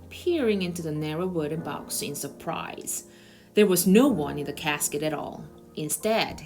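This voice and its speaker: A woman reads a children's novel aloud as its narrator. Her voice sits a little low, with soft music playing behind it.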